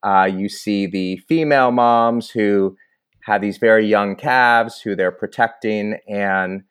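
A man from New England speaks as an interview guest, his voice sitting a little low. He talks in an easygoing, measured way, filling pauses with "you know". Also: fairly bright tone, clean tone. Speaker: environmental director, guest. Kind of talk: casual podcast interview.

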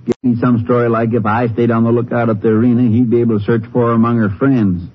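An actor playing a folksy, plain-spoken Texas sheriff in 1950s American radio drama, talking in clipped, informal phrases. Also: male voice, medium pitch, little pitch movement, quick pace, natural voice. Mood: matter-of-fact. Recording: dull, noisy vintage radio recording.

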